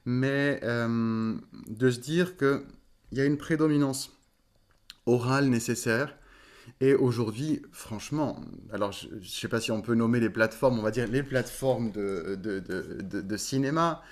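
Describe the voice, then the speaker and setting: A man, a voice coach, explaining in an interview and often pausing to search for words. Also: mid-range voice. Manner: thoughtful, searching for words with many fillers. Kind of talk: interview conversation.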